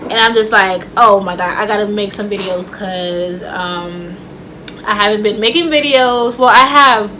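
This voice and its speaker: A woman's voice: medium pitch, unhurried, pushed and bright. A woman vlogging casually to camera. She stutters and talks loosely, with lots of fillers and restarts. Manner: stutters, with repeated words and restarts; chatty and loose, with many fillers. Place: home room with air conditioner running. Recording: faint air conditioner hum.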